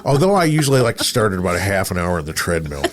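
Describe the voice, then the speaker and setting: A man's voice: sits low, sing-song, very fast, heavy background noise. A man in his sixties chatting casually and in a rambling, self-deprecating way, like a seasoned radio co-host. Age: 60s. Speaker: podcast co-host and radio broadcaster. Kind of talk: casual conversational chat.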